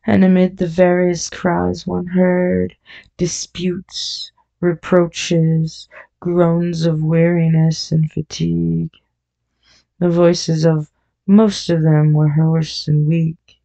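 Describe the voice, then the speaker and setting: Woman audiobook narrator, low and gravelly, dull lo-fi sound. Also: flat delivery, slow, mellow. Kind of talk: scripted narration.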